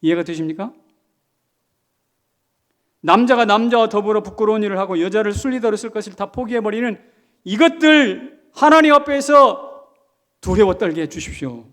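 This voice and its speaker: Man, senior pastor, sermon, emphatic, rhetorical questions, high-pitched voice. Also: fairly quick, long pauses. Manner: emphatic, asks the congregation questions. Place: church sanctuary.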